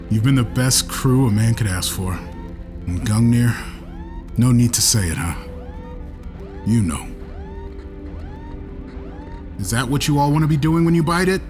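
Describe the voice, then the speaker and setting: An actor playing a brash, weary, sardonic spaceship captain in a science fiction audio drama, with a gruff wisecracking manner. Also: male voice, medium pitch, sing-song, moderate pace, pauses often, music in the background, natural voice. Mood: exasperated, resigned.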